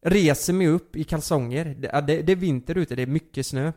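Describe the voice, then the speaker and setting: A man's voice: fairly high pitch, darkish tone. A young man telling a personal story in a casual chat, rambling with lots of fillers and restarts.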